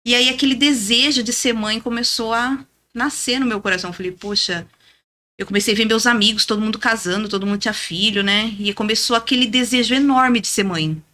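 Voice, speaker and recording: A woman in her thirties telling a personal faith story as a podcast guest, earnest and lively, often adding "né?". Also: fairly high pitch, fairly quick. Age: 30s. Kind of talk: testimony in casual chat.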